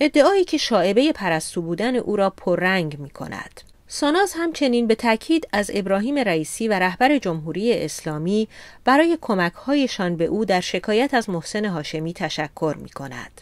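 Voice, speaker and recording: The voice moves at a moderate pace through very wide pitch swings and big swings in loudness. The recording is very clean, with a silent background. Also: woman, medium pitch for a woman. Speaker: news commentary narrator. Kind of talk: scripted narration. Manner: formal.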